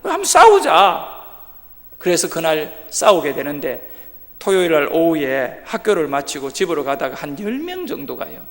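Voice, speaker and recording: High-voiced preacher in a reverberant church. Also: male voice, normal speed. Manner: lively storyteller who acts out quoted speech. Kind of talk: sermon testimony storytelling. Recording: long hall reverb.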